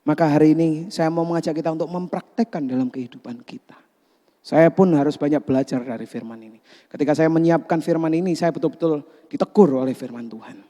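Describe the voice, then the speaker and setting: A man preaching a sermon as pastor, animated, joking and asking the congregation questions. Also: fairly high pitch, fast. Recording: long hall reverb.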